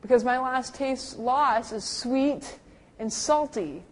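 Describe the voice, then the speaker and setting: A middle-aged woman teaching a lecture to caregivers on dementia care, talking lively and acting out the people she quotes. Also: slow, low-quality recording. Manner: lively, acts out quoted people with big pitch jumps.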